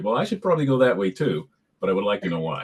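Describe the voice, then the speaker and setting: The pitch swings are very wide. The pace is very fast. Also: man. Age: 60s. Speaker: language student. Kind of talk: interview.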